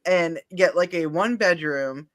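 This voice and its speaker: A woman's voice: fairly low pitch, a little slow. A woman in her thirties co-hosting a reaction stream, chatting casually, joking at her own expense and swearing freely. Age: 30s. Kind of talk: casual chat.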